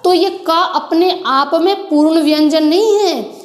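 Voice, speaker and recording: In an echoey room, a woman with a very high voice speaks slowly, patiently teaching Hindi grammar for exam prep. She refers to her students as children and blends English words into the lesson.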